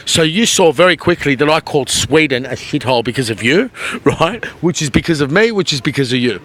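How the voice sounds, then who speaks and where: A man's voice: a little high, animated, fairly quick, fairly bright tone. Rambling man vlogging outdoors. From Australia. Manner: rambling and taunting. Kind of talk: rambling vlog monologue. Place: outdoors at a beach.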